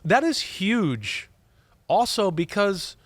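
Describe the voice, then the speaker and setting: A middle-aged man breaks down football plays with a congested, sniffly voice that sits a bit high for a man. He talks emphatically and leans on "right?" to keep his co-host with him. The studio sound is dry and close. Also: big pitch swings, slow pace, dry recording. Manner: emphatic, repeats words and restarts, rhetorical "right?". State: stuffy, congested nose. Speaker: podcast host, former quarterback. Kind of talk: casual sports analysis chat. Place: studio desk.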